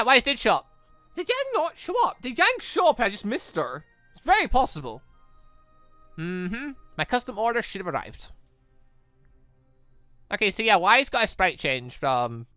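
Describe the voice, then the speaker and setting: Excitable, very animated gamer with bright voice. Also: mid-range voice, dry recording. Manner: excitable, exclaiming, stumbles and corrects while reading. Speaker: gaming channel host. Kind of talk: game let's play, reading visual novel text aloud with commentary. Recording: music playing under the voice. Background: background music.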